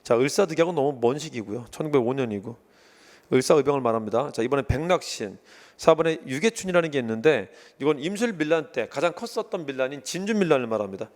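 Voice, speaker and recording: A man giving an exam-prep history lecture in a casual, animated way, briefly acting out quoted lines as he goes. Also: mid-range voice, quick pace.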